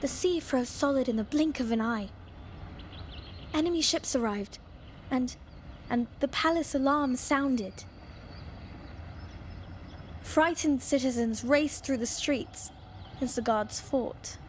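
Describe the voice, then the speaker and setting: An actress playing an enigmatic, playful girl guide in a mythic Persian video game, with a cryptic, gently teasing manner. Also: sits high, takes it slowly, pauses often, slight background noise. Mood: wistful, cryptic. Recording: long reverb, faint music behind.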